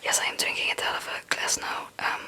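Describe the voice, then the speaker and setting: A young woman from Belgium, a non-native English speaker, whispering a casual, hesitant and meandering ASMR chat in a breathy voice. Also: fairly quick, bright, forceful tone. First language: not English. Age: young adult. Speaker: ASMR video creator.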